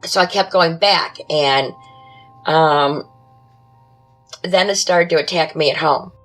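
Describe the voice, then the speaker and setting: A woman with a low voice recounts personal paranormal experiences as an interview guest. She speaks conversationally in short, matter-of-fact phrases that build drama. Faint music plays underneath. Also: slow pace, rough recording. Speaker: podcast guest, paranormal investigator. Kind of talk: conversational first-person storytelling.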